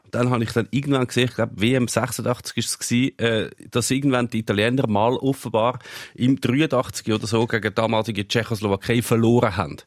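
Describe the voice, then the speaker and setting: A man's voice: mid-range voice, steady tone, fast, no room sound. A man with a Swiss German accent, co-hosting a casual chat and telling funny stories. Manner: chatty, laughs while telling stories.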